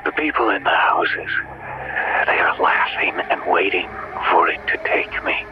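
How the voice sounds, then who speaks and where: An actor playing a frightened, eerily resigned man calling emergency services in a horror audio drama, halting and ominous over a phone line. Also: deep voice, fairly even intonation. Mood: fearful, haunted. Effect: phone line filter. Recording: muffled, noisy phone-call sound.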